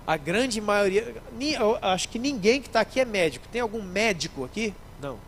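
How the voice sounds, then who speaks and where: A man, a pastor preaching a sermon in church, lively, acting out little scenes and speaking straight to the congregation. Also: high-pitched, a little hiss or hum, rough recording. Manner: animated, acts out scenes, addresses the congregation directly.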